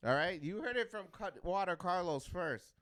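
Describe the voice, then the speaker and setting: Loud, profane young man bantering. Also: sits high, expressive, moderate pace. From Canada. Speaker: podcast co-host. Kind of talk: casual podcast chat.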